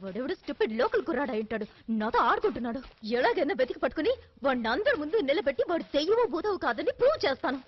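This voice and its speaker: An actress dubbing a stubborn young woman camper who talks quickly and insistently. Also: sits high, big pitch swings. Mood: defiant. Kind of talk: Telugu film dub. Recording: dull film dub with music.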